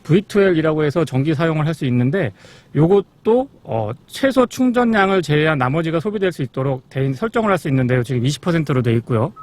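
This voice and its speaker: A man's voice: fairly high pitch, expressive, fast talker, darkish tone. A man presenting a test-drive review as a car reviewer, explaining things politely.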